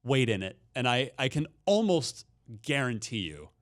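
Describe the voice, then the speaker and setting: A man's voice: medium pitch, sing-song, normal speed. Man hosting a casual podcast. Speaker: podcast host. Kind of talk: casual gaming podcast chat.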